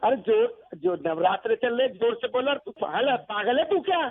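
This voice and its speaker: An older man with a very high voice, shouting hello again and again in exasperation. He comes through a dull, muffled phone line. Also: big pitch swings, moderate pace. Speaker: prank-call victim.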